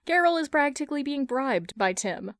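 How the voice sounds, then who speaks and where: A woman's voice: high voice, expressive, normal speed, no room sound, studio quality. A woman reading fan fiction as an amateur narrator, slipping between story narration and casual talk. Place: dry room at home.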